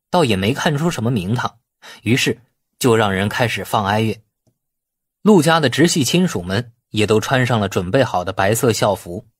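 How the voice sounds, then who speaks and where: A male narrator reads a novel as a scripted audiobook. His voice has a husky grain and sits at a medium pitch. The sound is dry, with very little room. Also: dry recording.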